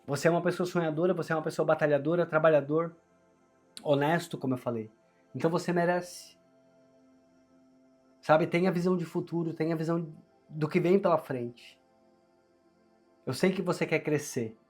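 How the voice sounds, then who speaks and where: A Brazilian man speaks in a somewhat high voice that sounds forced through a sore throat. He gives a chatty, earnest tarot reading straight to viewers, repeating phrases for emphasis, with music playing behind him. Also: normal speed, pauses often, a little mellow. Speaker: tarot reader, channel host.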